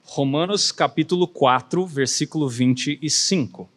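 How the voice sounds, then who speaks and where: A man in a church interpreting a sermon phrase by phrase, talking quickly and sometimes restarting as he looks for words. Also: on the high side, a bit bright.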